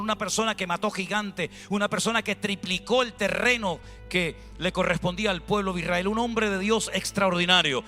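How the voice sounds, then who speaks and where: Bright, high-voiced Spanish preacher man. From Spain. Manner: lively, colloquial storytelling with acted-out dialogue. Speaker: pastor. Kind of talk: sermon.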